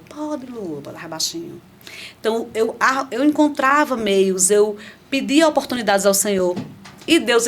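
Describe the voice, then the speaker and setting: A middle-aged woman, a podcast guest, telling her faith testimony in an animated, conversational way. She often restarts phrases and turns to her listeners with asides. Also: medium pitch, a little hiss or hum. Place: podcast studio.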